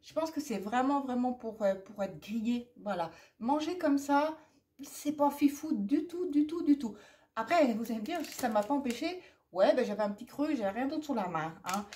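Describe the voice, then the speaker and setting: Middle-aged French woman, chatty rambling vlogger, slightly high voice, recurring cough. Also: expressive, moderate pace, mellow. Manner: chatty and rambling, many fillers and asides. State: persistent cough. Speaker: haul vlogger. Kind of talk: casual haul chat to camera.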